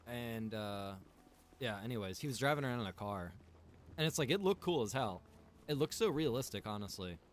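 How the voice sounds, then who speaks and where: A man's voice: mid-range voice, fairly quick. A man streaming a survival game, chatting casually and rambling to his viewers while he plays. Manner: relaxed, rambling, greets chat viewers by name.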